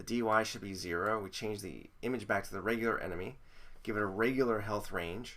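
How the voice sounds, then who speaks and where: A man with an American accent speaks at a fairly quick pace, his tone bright and sharp. His intonation stays fairly even, and the room echo is audible. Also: fairly low pitch for a man. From United States. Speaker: programming tutorial youtuber. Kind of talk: live-stream coding tutorial. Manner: casual, hesitant with fillers.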